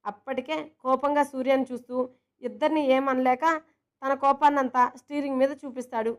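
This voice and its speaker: A woman narrating a romantic family story in a steady, expressive way. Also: sits high, brisk.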